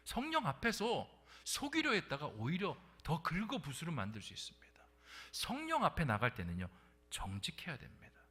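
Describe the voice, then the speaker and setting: A man's voice: on the high side, huge pitch swings, moderate pace, fairly bright tone, slightly rough. A middle-aged man preaching a sermon as pastor at a Friday prayer meeting, often dropping to a whisper for emphasis and putting questions to the congregation. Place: church sanctuary.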